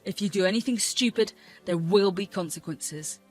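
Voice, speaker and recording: A betrayed grown son, as a voice actor plays him confronts his mother in outrage, in a middle-pitched voice. Faint music plays underneath. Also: normal speed, natural voice, low-quality recording.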